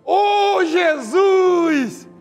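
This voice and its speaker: A man voicing a jovial male Pharisee host who loudly greets a guest at his home. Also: very high-pitched, very slow, creaky, voice pushed up, exaggerated voice. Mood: hearty. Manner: loud, hearty shouted greeting. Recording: reverberant church hall with faint music.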